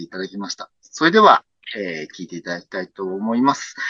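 A man speaks fairly quickly. His voice sounds dry and close, without any echo. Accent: western Japanese. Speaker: podcaster, music show host. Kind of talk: casual chat.

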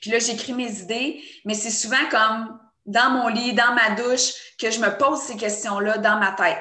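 A woman with a Quebec accent speaks at a fairly slow pace, her pitch fairly high and her intonation fairly even. Noticeable background noise and audible room echo surround her. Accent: Québécois French. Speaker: entrepreneur and wellness coach. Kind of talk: casual interview chat.

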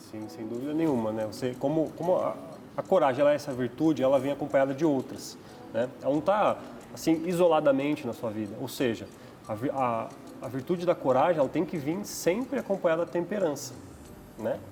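Over music in the background, a man with fairly high pitch speaks with ordinary pitch variation. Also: fairly quick pace. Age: 20s. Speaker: project manager. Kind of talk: studio interview. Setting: studio. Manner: halting.

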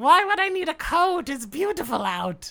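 Someone uses a put-on character voice with an extremely high pitch at a moderate pace. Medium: actual play. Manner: eager, fawning, repeats "yes".

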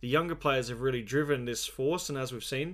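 An animated, enthusiastic voice with an Australian accent comes through in a very clean recording with a silent background. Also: man. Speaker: podcast host. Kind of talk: sports podcast review; sports commentary, describing goals. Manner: conversational, with fillers.

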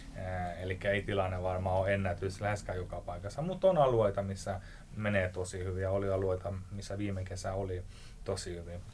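In a room with audible echo, a man with a very deep, low, somewhat breathy voice talks at a fairly quick pace in a flat monotone. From northern Finland (Ii, near Oulu), moved to Åland at 11. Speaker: tourism marketing professional. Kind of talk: interview.

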